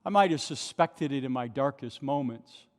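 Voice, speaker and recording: A man's voice: mid-range voice, expressive, moderate pace. A male pastor preaching an impassioned sermon at a pulpit microphone in a large, nearly empty church, asking rhetorical questions. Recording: long church reverb.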